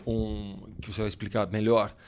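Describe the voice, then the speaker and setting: A man's voice: lowish voice, flat delivery, normal speed, soft background music. Brazilian man hosting a podcast chat. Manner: conversational interviewer who sums up and prompts. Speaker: podcast host. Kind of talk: casual interview chat.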